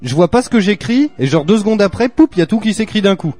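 A man with a notably high voice hosts a relaxed gaming podcast, full of teasing banter and quick jokes. Faint music plays underneath. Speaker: podcast co-host. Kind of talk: casual gaming podcast chat.

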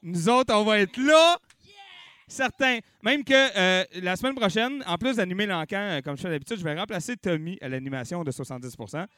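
Brisk and high-voiced, a young Québécois man hosts a lively comedy-night auction, bellowing bids and joking around between them. There is no room sound.

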